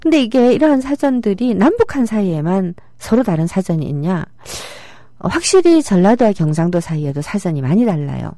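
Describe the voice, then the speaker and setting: A woman's voice: medium pitch, very animated, fairly quick, warm tone, no room sound, studio quality. A middle-aged woman giving a public lecture, explaining with rhetorical questions and acting out quoted speech.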